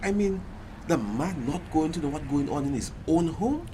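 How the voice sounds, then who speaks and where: A man's voice: a little high, animated, moderate pace, natural voice. A man with a Caribbean accent playing a flamboyant, gossipy, sympathetic gay confidant in a conversational audio drama, theatrical and sassy. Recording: noticeable background noise.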